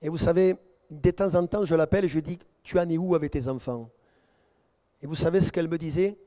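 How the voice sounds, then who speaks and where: A middle-aged man preaching a sermon as pastor, telling a story with quoted dialogue and building to excited, emphatic peaks. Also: on the high side, brisk.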